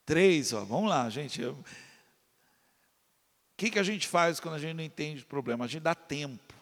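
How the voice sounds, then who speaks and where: A man preaching a sermon as a pastor, swinging between loud impassioned pleas and low quiet asides. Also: expressive, moderate pace, long reverb tail.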